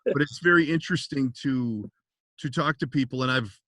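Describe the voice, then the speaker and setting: A man's voice: mid-range voice, normal speed, a bit bright, no echo, poor audio. A man hosting a podcast, asking questions in an easygoing, agreeable way. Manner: easygoing, agreeable interviewer with short responses. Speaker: podcast host. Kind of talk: casual podcast interview.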